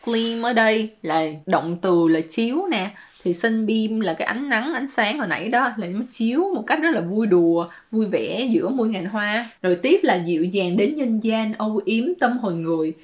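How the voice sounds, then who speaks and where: A woman, talking at an ordinary mid pitch. She explains translations in a loose, chatty way, mixing in English terms as she goes. Her tone stays playful and conversational, like a vlogger talking to her regular viewers. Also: lively intonation, moderate pace, hardly any pauses. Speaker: YouTuber translating song lyrics. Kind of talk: casual explanatory commentary.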